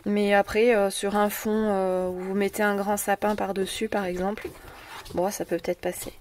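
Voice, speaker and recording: In this scrapbooking video, a French-accented woman shows and tells about her craft haul at a moderate pace, her medium-pitched voice slightly mellow and barely moving in pitch. Her speech is halting, packed with fillers and repetitions, picked up by a distant mic with a little noise.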